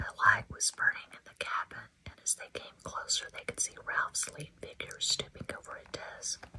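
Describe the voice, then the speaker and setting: Soft-spoken and whispering at a fairly slow pace, the voice comes over light background noise. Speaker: reader. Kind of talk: reading a novel aloud. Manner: soft whispered ASMR book reading. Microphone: phone near.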